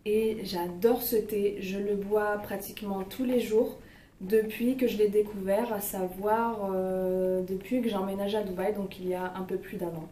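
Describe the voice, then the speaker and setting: Mellow-voiced woman vlogging in a roomy space. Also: mid-range voice, fairly even intonation, normal speed. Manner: chatty, hesitant with frequent fillers. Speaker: beauty vlogger. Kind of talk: casual product review chat. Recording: roomy, distant mic, faint noise.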